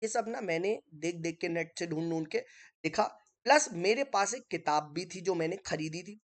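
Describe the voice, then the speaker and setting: A man's voice: high voice, normal speed. Chatty man teaching an exam-prep lesson. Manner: chatty, keeps checking in with listeners; explains step by step while writing on screen. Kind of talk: informal online lesson.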